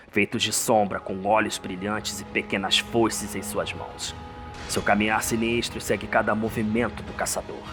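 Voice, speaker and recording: A man with a Brazilian accent narrates a dark story in a theatrical, suspenseful, scripted style. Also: low-pitched. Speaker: narrator, host. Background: music.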